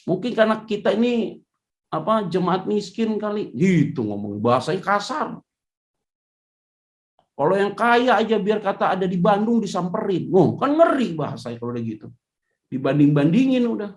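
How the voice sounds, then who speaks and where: A male pastor preaching a lively sermon, acting out the voices of church members and people he quotes. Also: sits high, normal speed. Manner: animated, acts out voices of congregants and quotes.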